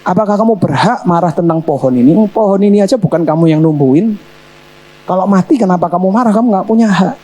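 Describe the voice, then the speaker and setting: A pastor speaking as God in a calm male voice that asks gentle, probing questions during a sermon. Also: high-pitched, fast. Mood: patient.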